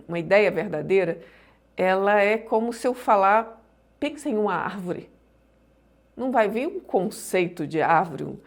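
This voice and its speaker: In a lowish voice, a woman teaches an online public speaking course, explaining points emphatically and frequently checking that her listeners are following.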